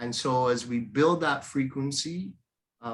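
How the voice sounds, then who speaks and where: A man is speaking. His pace is fairly slow. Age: 60s. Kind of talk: online meeting discussion. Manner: halting, many fillers.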